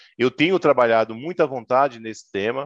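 A man speaks at medium pitch and a moderate pace in a normal speaking voice, with ordinary pitch variation, a dry, close sound with no echo and a quiet background. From Bahia, Brazil (rural). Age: 50s. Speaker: corporate security manager. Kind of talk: interview on a live panel show.

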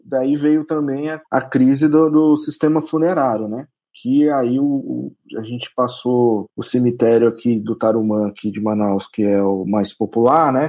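In an ordinary speaking voice, a man talks fairly slowly at a medium pitch with ordinary pitch variation. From Brazil, São José dos Campos (São Paulo state interior). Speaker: photojournalist. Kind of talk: interview.

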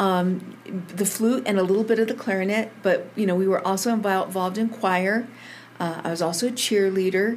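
Over noticeable background noise, a woman speaks at a medium pitch and a moderate pace, her loudness very even and her intonation fairly even. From New Mexico, US. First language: Spanish. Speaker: farmer and community leader. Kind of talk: interview, storytelling.

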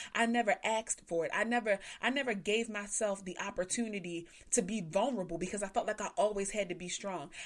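Speaking with an American accent, a woman with a medium pitch sounds animated, talks very fast and shows ordinary pitch variation. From Maryland, US. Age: 20s. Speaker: podcast host. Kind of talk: personal monologue, casual and confessional. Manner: halting, repeats words.

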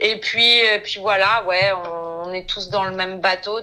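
A woman with a bright, sharp tone talks at a medium pitch and a very slow pace, with ordinary pitch variation. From France, Haute-Savoie countryside. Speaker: street artist. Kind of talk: interview. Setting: in her studio. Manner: hesitant, many fillers.

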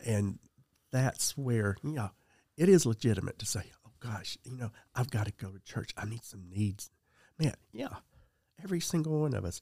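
Dry and close with no echo, a man speaks at a moderate pace with long, frequent pauses. His medium-pitched voice is somewhat breathy, with a dark, mellow tone and lively intonation. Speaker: church member. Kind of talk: casual discussion.

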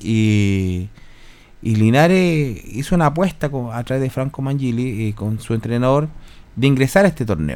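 A man speaks in a plain, everyday voice at medium pitch with lively intonation. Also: moderate pace. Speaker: city councillor. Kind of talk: radio interview. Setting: radio studio.

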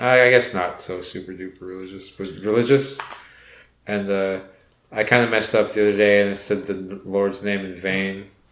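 A man talks at a moderate pace with a fairly low pitch and monotone, flat intonation. Audible room echo surrounds his voice. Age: 30s. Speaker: movie review podcast co-host. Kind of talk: casual chat.

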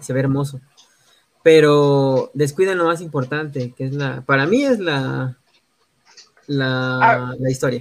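Speaking at a very slow pace with long, frequent pauses, the man has a fairly high pitch. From Veracruz, Mexico. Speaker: podcast host. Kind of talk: casual chat.

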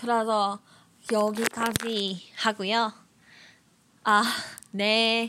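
A woman speaks very slowly in a fairly high, bright and sharp voice, flat and monotone, with long pauses coming often. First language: not Korean (learner) (speaking Korean). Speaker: Korean learner vlogger. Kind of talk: casual monologue to viewers. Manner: halting, many fillers.

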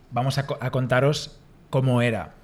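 Audible room echo surrounds a man talking at a fairly slow pace in a medium pitch. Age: 30s. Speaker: podcast co-host. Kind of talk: live podcast chat. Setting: stage with audience. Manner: animated.

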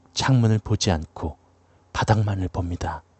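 With music in the background, a man talks in a fairly low voice. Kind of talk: horror narration. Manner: formal, hushed storytelling that builds suspense.

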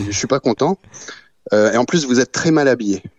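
The sound is dry and close with no echo as a man speaks at a moderate pace. He has a medium-pitched, normal speaking voice with lively intonation. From Belgium, Brussels. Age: 30s. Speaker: comedian. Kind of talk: casual chat.

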